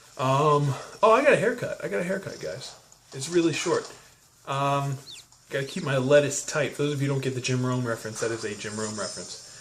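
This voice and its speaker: Lively in intonation, a man talks at a fairly quick pace and a fairly high pitch. Audible room echo and noticeable background noise surround his voice. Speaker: gaming commentator. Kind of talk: video game commentary. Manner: fast; casual, halting.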